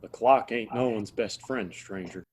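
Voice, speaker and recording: Some light noise sits behind this western audio play. A man acts out a gruff, steady frontier fellow with a fairly low voice. His phrasing is folksy and plain-spoken. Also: measured pace, close to an everyday voice. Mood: earnest, reassuring.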